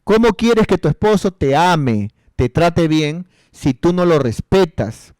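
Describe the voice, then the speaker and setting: A man's voice: a little high, expressive, slow, darkish tone, dry recording, studio quality. A male pastor giving a counseling sermon, repeating rhetorical questions and calling his listeners brother and sister.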